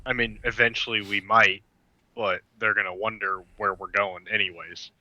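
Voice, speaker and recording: A man's voice: on the low side, level tone, normal speed, pushed and bright, no room sound, muffled recording. A man playing a tabletop game, speaking directly and reasoning through plans aloud. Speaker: player. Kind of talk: tabletop game play, casual chat.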